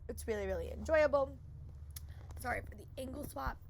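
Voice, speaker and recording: A young woman with a hoarse voice, chatting casually and upbeat to viewers in a reading vlog. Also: sits high, fairly quick, slight background noise. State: hoarse, voice shot. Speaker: book vlogger.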